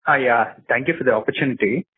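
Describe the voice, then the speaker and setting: A man's voice: medium pitch, quick pace. A man with an Indian accent asking questions as a caller on an earnings call, politely and hesitantly. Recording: narrow phone line with faint noise.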